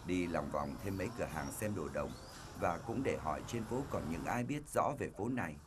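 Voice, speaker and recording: A man reading a scripted documentary narration in a calm, measured way. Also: deep voice, a little hiss or hum. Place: voice-over studio. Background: faint music.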